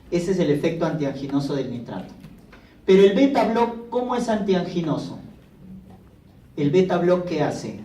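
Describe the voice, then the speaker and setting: A man's voice: fairly high pitch, warm tone, recorded from a distance, a little hiss or hum. A man giving a pharmacology lecture in a classroom, asking the students questions and answering them himself. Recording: echoey classroom, voice from afar.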